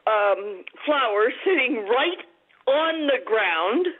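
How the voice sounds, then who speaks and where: A woman's voice: fairly high pitch, animated. Woman caller on tinny speakerphone. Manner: halting, hesitant telling with many pauses. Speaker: radio call-in caller. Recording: tinny speakerphone line, somewhat distant.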